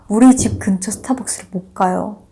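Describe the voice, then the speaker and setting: A young woman vlogger telling a personal story in a casual, animated way, laughing often and acting out what people said. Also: medium pitch, slight background noise.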